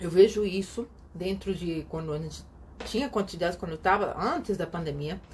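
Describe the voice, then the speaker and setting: At a moderate pace, a woman talks in a somewhat breathy voice. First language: Spanish (speaking Portuguese). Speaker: psychologist. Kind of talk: casual video talk, opinion.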